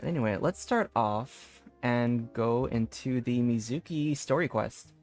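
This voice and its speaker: A man with a medium-pitched voice hosts a game livestream. He talks in a casual, conversational way into a streaming mic, with faint game music playing behind him. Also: measured pace. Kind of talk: casual livestream chat and reading aloud. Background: soft game music.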